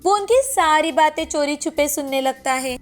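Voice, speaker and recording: A woman narrating a scripted cartoon story in a clear, even storytelling manner. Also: high voice, normal speed, soft background music.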